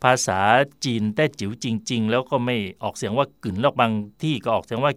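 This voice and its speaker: A man hosting a radio talk slot, chatting in a digressive way about where words come from, with fillers and quick self-corrections. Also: mid-range voice, smooth, no echo. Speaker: radio host. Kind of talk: explaining word origins in casual talk.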